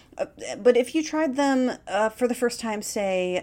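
A woman's high voice moves fairly slowly, its pitch rising and falling in an ordinary way. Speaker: podcast host and author. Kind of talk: casual monologue with guided breathing. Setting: home recording. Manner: rambling, conversational; soothing, gentle.

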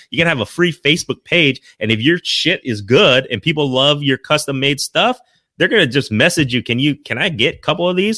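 This man has a Midwestern US accent and a fairly high pitch. He talks at a fairly quick pace with lively intonation. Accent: US Midwest. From Iowa, US Midwest. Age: 40s. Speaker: fishing podcaster and lure seller. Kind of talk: casual interview.

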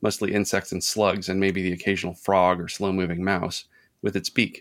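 With an unremarkable speaking voice, a man talks at a moderate pace and fairly low pitch. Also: very clean recording, silent background. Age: 50s. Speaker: author and illustrator. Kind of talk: casual interview chat with a passage read aloud.

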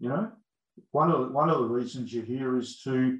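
Here a man speaks with an Australian accent. His pitch sits in the medium range with ordinary variation. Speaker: lawyer and mediator. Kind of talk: casual interview chat. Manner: halting, with frequent repetitions.

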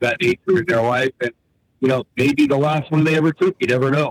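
A man with an American accent talks at a fairly quick pace in an ordinary speaking voice, the sound dry and close with no echo. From US Northeast. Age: 60s. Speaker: truck driver. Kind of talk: casual chat.

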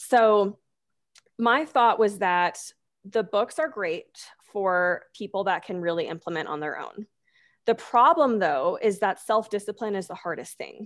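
Lively intonation marks this woman's unremarkable speaking voice, at a medium pitch and a fairly slow pace. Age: 20s. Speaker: author and passive income investor. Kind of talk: podcast interview.

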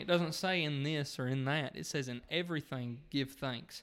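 A man speaks with a Southern US accent in a fairly high voice. His pace is moderate and his pitch variation ordinary. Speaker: podcast host. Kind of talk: religious discussion.

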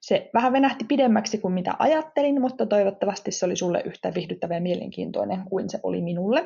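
A woman talks in a fairly high pitch with vocal fry. Her pitch swings very widely. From Finland. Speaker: podcast host. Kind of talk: casual interview chat.

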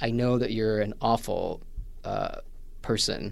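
A man's monotone, flat intonation. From US Midwest, southern Indiana. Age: 30s. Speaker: TV host and producer. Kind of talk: casual chat.

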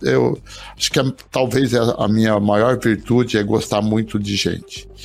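With music in the background, a man speaks at a moderate pace. His pitch sits fairly low. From rural Brazil. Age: 60s. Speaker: company founder and president. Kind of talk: interview. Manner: halting.

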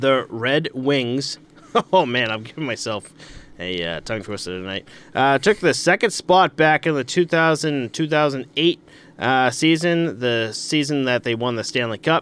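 With lively intonation, a man of medium pitch talks at a fairly slow pace in an unremarkable speaking voice. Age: 30s. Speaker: sports podcast host. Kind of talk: casual chat.

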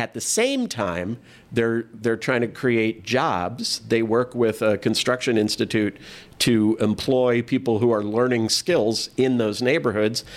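A man's medium-pitched, a normal speaking voice with a General American accent, fairly slow, with fairly even intonation. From US West Coast, San Diego. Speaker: real estate reporter. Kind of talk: casual interview about housing news.

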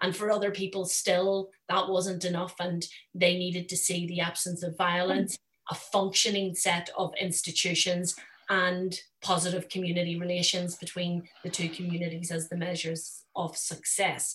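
This woman speaks with a Northern Irish accent and a fairly low pitch. Her intonation is monotone and flat, and her pace is moderate. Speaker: professor. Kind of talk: panel discussion. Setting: video call.

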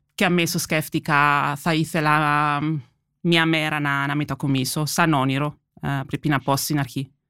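With an Italian accent, a woman speaks at a fairly slow pace in a very deep, low pitch, her tone bright and sharp and her intonation flat and monotone, in a very clean recording with a silent background. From Italy, near Milan. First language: Italian (speaking Greek). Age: 40s. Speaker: remote worker living on a Greek island. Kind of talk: interview, casual chat.

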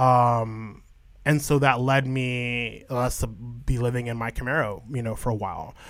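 A man with an American accent talks at a moderate pace and medium pitch, with fairly even intonation and an unremarkable speaking voice. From Washington DC. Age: 30s. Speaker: costume designer and stylist. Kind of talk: casual interview chat.

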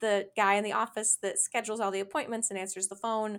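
A woman with an American accent talks at a medium pitch, recorded very cleanly against a silent background. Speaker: podcast host. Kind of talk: casual interview conversation.

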